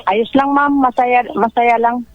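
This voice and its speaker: A woman's voice: fairly high pitch, fairly even intonation, measured pace, heavy background noise. A woman calling in to a radio show, polite and brief in her answers. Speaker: caller. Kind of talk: phone call to radio show. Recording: distant phone line with music behind.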